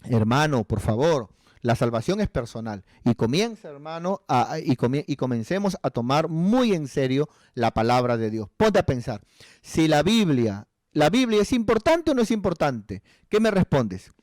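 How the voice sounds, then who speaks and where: A man's voice: fairly high pitch, very animated, moderate pace, darkish tone, no room sound. A male pastor preaching a sermon in an earnest, pleading way, often acting out little dialogues.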